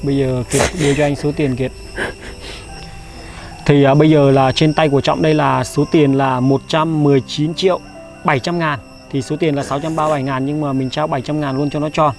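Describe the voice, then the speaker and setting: Gravelly man host. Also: on the high side, little pitch movement, darkish tone. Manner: brisk, coaxing and reassuring. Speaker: vlog host handing out charity money. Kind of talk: reading a donor list, then casual talk. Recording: light background music.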